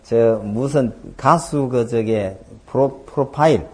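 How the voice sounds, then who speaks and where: A middle-aged pastor preaches a sermon slowly in a medium-pitched voice. He tells stories and acts out dialogue, breaking into sudden loud outbursts.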